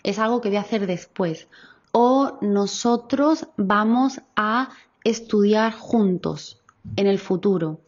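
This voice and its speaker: A woman from explains grammar in a very measured, unhurried way, spelling out each example. Her voice sits at a middle pitch, and the recording sounds a little muffled. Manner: slow, careful, clear explanation with examples. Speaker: Spanish teacher. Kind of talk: grammar lesson.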